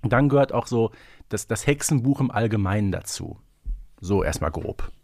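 A man's voice: fairly low pitch, animated, moderate pace, vocal fry, darkish tone, no room sound, clean studio sound. A man co-hosting a fan podcast, casually thinking aloud as he talks. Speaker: podcast co-host.

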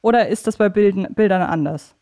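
Female podcast host, medium pitch, informal questions worked out aloud. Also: brisk, warm tone. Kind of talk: casual conversational interview.

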